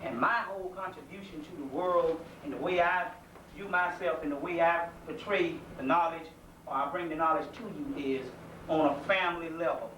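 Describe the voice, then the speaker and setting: Speaking at normal speed in a high-leaning voice that sounds pushed and bright, this South Carolina man delivers an earnest, folksy community talk in his Southern accent, keeping it conversational. The room echoes, the microphone sits at a distance, and a faint hiss runs underneath.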